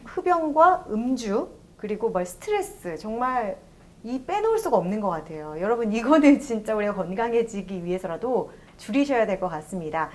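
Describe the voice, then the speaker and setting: A woman hosting a TV health program, asking a doctor questions in a bright, engaged way and wrapping up for viewers. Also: fairly high pitch. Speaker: host. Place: studio.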